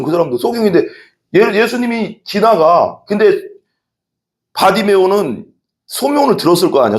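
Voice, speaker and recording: A male pastor preaching an evening church sermon, telling the story with energy and often asking the congregation questions. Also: on the high side.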